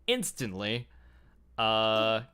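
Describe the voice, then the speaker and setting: Lively, clear-voiced man hosting casually. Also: fairly low pitch, very slow. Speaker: host of a fan livestream talk show. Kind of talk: casual group chat. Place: home computer setup, online group call. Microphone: headset.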